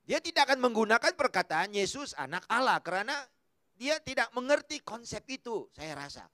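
Man, pastor, sermon, bright tense voice, dry close sound, playful acted-out quotes. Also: a little fast, no echo. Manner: animated, humorous, jumps between shouting and low asides.

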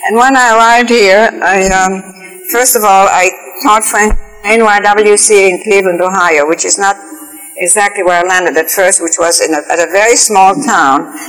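A woman's voice: medium pitch, fairly even intonation, normal speed, a bit bright. Elderly Swiss-born woman reminiscing, reverberant sound. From Switzerland. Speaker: guest, artist. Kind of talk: recounting life story in a studio interview. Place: TV studio, indoors. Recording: reverberant 1980s TV studio, music behind.

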